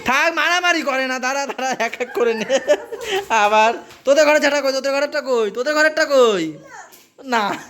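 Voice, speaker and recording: A woman's voice: sits high, normal speed, fairly bright tone, slight background noise. A young woman from West Bengal chatting playfully with a small child at home in a casual family vlog. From West Bengal, India. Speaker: family vlogger. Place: home indoors.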